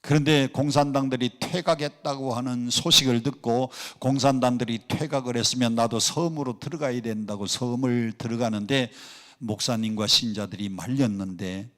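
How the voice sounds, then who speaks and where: A male pastor preaching a sermon, asking the congregation questions and answering them himself, mimicking regional dialect, rising to loud emphatic exclamations. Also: medium pitch, moderate pace. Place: prayer retreat worship hall. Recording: long hall reverb.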